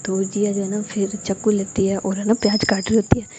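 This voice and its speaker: A young woman narrating a story casually in a soft, hushed, half-whispered way. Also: medium pitch, little pitch movement, fairly quick, noisy background.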